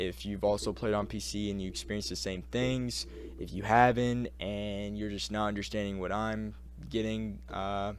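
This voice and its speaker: A man's very deep, low voice at a moderate pace, with very wide pitch swings and audible room echo. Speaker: gaming youtuber. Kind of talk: game review. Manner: halting, many fillers and repeats; casual.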